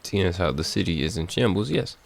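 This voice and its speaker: Low-voiced man, gravelly, casual gamer. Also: expressive, brisk. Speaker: video game streamer. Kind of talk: casual gameplay commentary. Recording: faint game noise behind voice.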